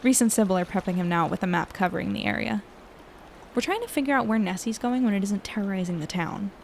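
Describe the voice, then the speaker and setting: Earnest young woman, lightly creaky voice. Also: mid-range voice, lively intonation, fast talker, slight background noise. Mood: anxious, downcast. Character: earnest, guilty young woman, anxious loyal friend. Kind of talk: audio drama acting.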